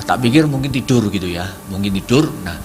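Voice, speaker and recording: A middle-aged man tells his testimony to a church gathering. He speaks in halting, repetitive phrases full of fillers, at a middle pitch. Music plays clearly underneath. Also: animated. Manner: halting, many fillers and repeats, searching for words. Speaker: congregation member giving testimony. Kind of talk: spoken testimony at a prayer service. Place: church hall. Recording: church service with music playing behind.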